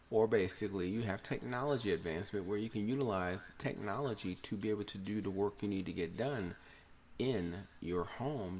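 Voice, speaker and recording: A man hosts his own podcast in a rambling, opinionated solo monologue. His voice is fairly low with a gravelly fry, and it swings up and down a lot as he talks. A faint hiss sits under the recording. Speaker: podcast host.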